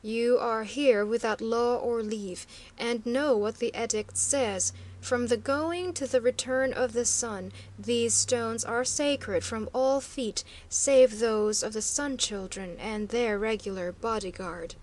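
A woman's voice: a little high, fairly even intonation, a little slow. A woman doing an icy, stern guard captain. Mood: stern cold. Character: cold, proud male master of guards.

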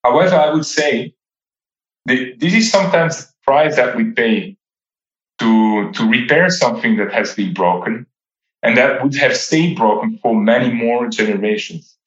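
A man's voice: medium pitch, highs cut off. Reflective man in his thirties, echoey. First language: French and Dutch. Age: 30s. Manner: halting, repeats words while searching for them. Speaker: podcast guest. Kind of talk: reflective interview answers.

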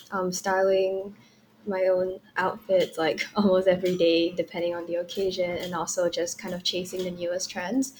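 A woman's voice: fairly low pitch, a little mellow. A young woman speaking as a podcast guest, reflective and casual, with informal hedged phrasing. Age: young adult. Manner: informal, hedging with "kind of" and "you know". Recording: faint background noise.

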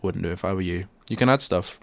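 A male radio host's voice is low, fast and gravelly, and also nasal and blocked from a stuffy head cold. He rambles in a self-deprecating solo chat at a studio microphone. There's no room sound on the recording.

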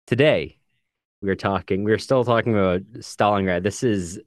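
A man's voice: lowish voice, moderate pace, no room sound, clean studio sound. A man co-hosting a casual book discussion podcast, explaining in a discursive way with many asides. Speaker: podcast co-host. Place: recording booth.

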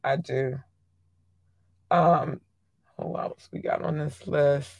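A hoarse podcast host chatting casually, affectionately shouting out listeners country by country. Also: mid-range voice, steady tone, takes it slowly, dry recording.

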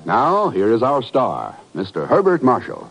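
Old radio announcer: American man, polished and declamatory, lively inflection, muffled vintage broadcast over music. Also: mid-range voice, unhurried, gravelly.

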